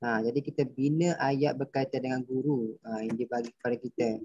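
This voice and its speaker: A man's voice: medium pitch, fairly even intonation, a little fast, darkish tone, dry recording. Malaysian male teacher, patient and repetitive, online lesson, dry lo-fi sound. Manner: patient, repetitive explaining, quizzing pupils. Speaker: primary school teacher. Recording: dull dry lo-fi recording.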